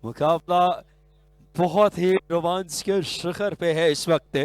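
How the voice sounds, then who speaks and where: A man with a Hindi accent giving excitable live cricket commentary, his voice jumping up on big shots. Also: on the high side, takes it slowly, clean tone, dry recording, soft background music. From India.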